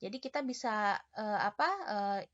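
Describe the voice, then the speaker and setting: Gentle woman teacher, lo-fi sound. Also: medium pitch, normal speed. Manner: gentle, encouraging, addresses pupils warmly with many "ya" and "nah". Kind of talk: online lesson for children.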